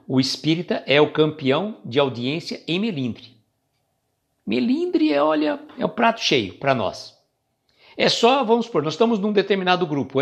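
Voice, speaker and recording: A Brazilian man hosting a spiritist reflection stream, talking casually and greeting viewers by name. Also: fairly high pitch. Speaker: host of a spiritist reflection livestream.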